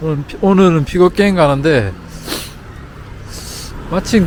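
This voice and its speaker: At a moderate pace, a man talks through noticeable background noise. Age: 40s. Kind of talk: casual vlog talk to camera.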